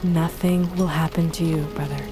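A woman's voice: low voice, level tone, normal speed, over music, lightly acted. A young woman playing a defiant, bitter tribal butcher, the queen's daughter, in an intense, biting audio drama style. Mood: grave, low.

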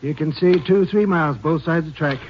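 A high-voiced, folksy station master who takes his time and talks while he types, played by a male actor. He comes through a dull, hissy 1950s radio broadcast. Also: lightly acted. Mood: easygoing. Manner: folksy drawl, unhurried. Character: chatty old rural station master, easygoing. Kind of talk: 1950s radio drama acting. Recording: muffled old radio broadcast with hiss.

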